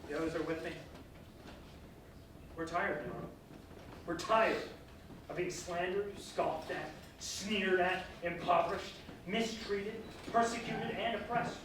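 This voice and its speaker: A man in a staged reading playing a weary, defiant condemned Christian, speaking solemnly and deliberately. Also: sits high. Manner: solemn, deliberate, earnest declamation. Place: large reverberant performance space, staged reading. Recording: echoey hall from far off, faint noise.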